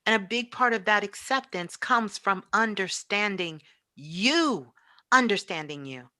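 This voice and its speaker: A woman's voice: mid-range voice, lively intonation, measured pace, sharp tone. A woman giving an impassioned spiritual talk as a guest teacher, emphatic and repetitive like a preacher.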